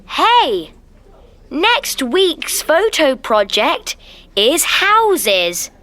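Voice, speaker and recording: A woman voicing a cheerful teenage girl in a scripted dialogue for learners, with a clear, deliberate delivery. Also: high-pitched, wildly swooping pitch, a bit bright, dry recording, exaggerated voice. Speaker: voice actor in textbook audio.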